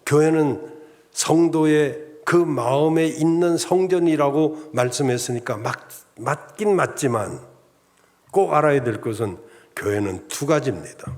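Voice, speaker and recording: A male pastor preaching a Sunday sermon in a measured, enumerating style, often addressing the congregation directly. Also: on the high side, a little mellow. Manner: measured preaching with enumerated points and rhetorical asides. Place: church sanctuary.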